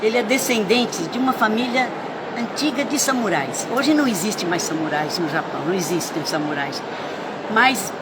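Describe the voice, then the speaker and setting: A woman's voice: medium pitch, lively intonation, normal speed, heavy background noise. An older woman born in Italy and raised in Brazil, an author talking reflectively about her book in an interview at a book fair.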